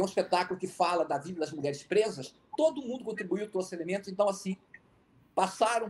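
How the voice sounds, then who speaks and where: A man talks fairly quickly but breaks it up with long pauses that come often. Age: 60s. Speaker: theater director and playwright. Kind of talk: interview. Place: home room.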